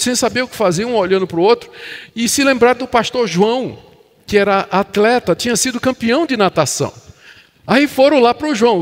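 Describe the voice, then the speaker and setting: Older Brazilian pastor preaching in a reverberant hall. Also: male voice, sits high. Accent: Brazilian Portuguese. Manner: expressive preaching, slowing down to stress scripture. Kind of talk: sermon. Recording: long reverb from a large hall.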